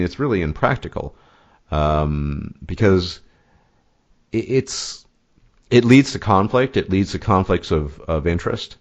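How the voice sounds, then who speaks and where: Deep-voiced man, halting and muffled. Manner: hesitant, many fillers and restarts. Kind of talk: casual discussion. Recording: muffled lo-fi audio.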